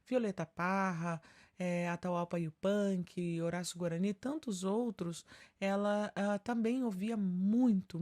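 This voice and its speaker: A woman's voice: lowish voice, a little mellow. A middle-aged woman from Central America, partly raised in Germany, telling her personal story to radio listeners as a guest singer.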